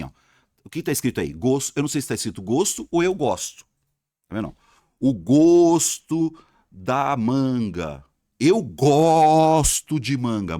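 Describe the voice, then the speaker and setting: Animated man teaching, dry sound. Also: on the low side, no echo. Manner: animated, repeats words for emphasis, acts out student questions. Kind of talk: video lesson.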